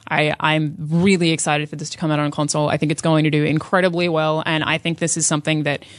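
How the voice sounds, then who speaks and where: Rapid speech, enthusiastic games panelist, close dry recording, casual and opinionated. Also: medium pitch, level tone, no echo. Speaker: podcast panelist. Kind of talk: casual panel discussion about video games.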